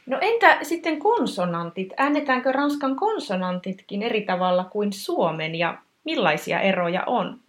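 A woman's voice: medium pitch, big pitch swings, hardly any pauses. A woman co-hosting a lesson, asking curious, informal questions.

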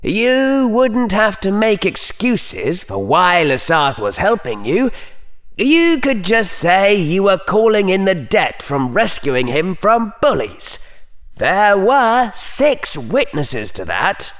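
A man's voice: sits high, wildly swooping pitch, slow, fairly bright tone, pitched above the performer's own voice, full character voice. A man voicing the cold, cutting inner voice of a boy, from a narrated story. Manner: icy, cutting.

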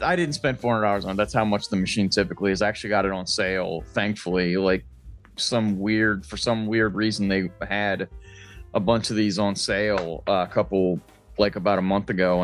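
Low-voiced man grumbling through casual chat. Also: steady tone, brisk, soft background music. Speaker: podcast co-host. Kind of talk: casual chat, swearing freely.

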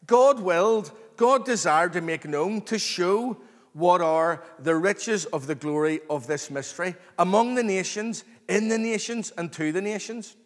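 High-voiced male preacher in a reverberant hall. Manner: earnest, excited, emphatic with repeated phrases and calls for response. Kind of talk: expository sermon to a congregation. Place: large reverberant room, live before a congregation.

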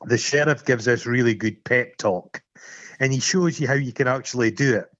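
A man's voice: medium pitch, moderate pace, no room sound. A middle-aged Scottish man co-hosting a casual film review chat, retelling scenes with swearing and acted quotes. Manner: animated storyteller, sweary, acts out quotes. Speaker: podcast co-host. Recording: dull lo-fi dry sound.

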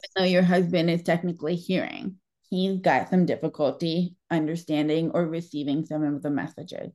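A woman's voice: low-pitched, steady tone, moderate pace, darkish tone. A woman podcast host who works as an audiologist, talking earnestly and giving emphatic advice to parents. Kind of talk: conversational interview.

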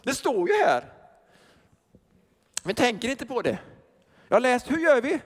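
An older man preaching a sermon as pastor, lively, joking and putting questions to the congregation. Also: very high-pitched. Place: church hall. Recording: long reverb of a church hall.

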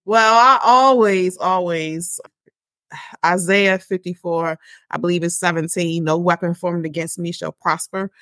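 A woman's voice: fairly low pitch, steady tone, unhurried, fairly bright tone, dry recording, clean studio sound. A woman in her forties from Baltimore, a guest talking candidly about her faith, joking and laughing easily. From Baltimore, Maryland. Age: 40s. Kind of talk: casual interview.

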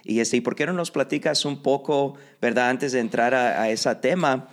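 A man hosts a podcast with an easygoing voice at an ordinary middle pitch. He speaks in a loose, friendly way, full of fillers, and drifts between two languages. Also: normal speed. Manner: relaxed, many fillers, mixes Spanish and English. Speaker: podcast host. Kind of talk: casual bilingual interview.

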